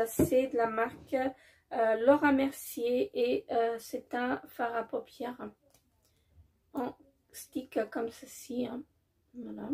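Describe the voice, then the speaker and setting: Female beauty vlogger, slightly high, gravelly tone; casual, halting unboxing chat, enthusiastic. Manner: hesitant, many filler pauses and restarts; warmly enthusiastic about products.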